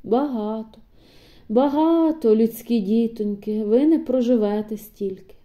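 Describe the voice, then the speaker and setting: A woman's voice: on the high side, a little slow, muffled recording, close to an everyday voice. A woman voicing a frail, very old peasant woman. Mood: frail, quiet. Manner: faint, brief replies.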